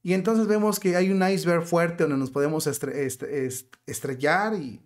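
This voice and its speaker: A man's voice: a little high, normal speed. A man giving indignant religious commentary, reading out a news report and then arguing his case with pointed rhetorical questions. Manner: outraged, emphatic.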